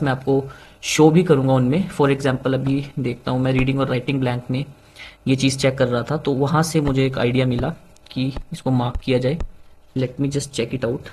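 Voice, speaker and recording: A young Indian man talks through English test strategies like a friendly tutor. His voice sits at an ordinary middle pitch, and his delivery is casual and loose, full of "basically" and "right?". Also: a little mellow, poor audio. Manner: chatty, with "like", "right?" and "basically" fillers. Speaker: PTE exam tutor. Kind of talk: casual tutorial talk mixing Hindi and English.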